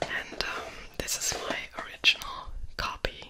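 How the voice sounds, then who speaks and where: A woman speaks in a whisper. Behind her there is noticeable background noise. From Germany. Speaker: ASMR creator. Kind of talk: casual talk to camera, ASMR game collection show-and-tell. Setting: binaural microphone recording. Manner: whispered, soft-spoken.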